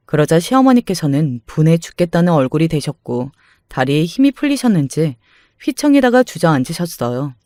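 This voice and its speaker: A woman's voice: sits low, dark tone, no room sound. Woman narrating a story, dry recording. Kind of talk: scripted first-person dramatic narration.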